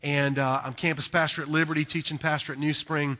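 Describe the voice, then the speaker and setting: A man with a Southern US accent at a fairly high pitch and fairly quick pace, bright, sharp tone and monotone, flat intonation against a quiet background. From US South. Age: 40s. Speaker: preacher. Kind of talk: sermon. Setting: church.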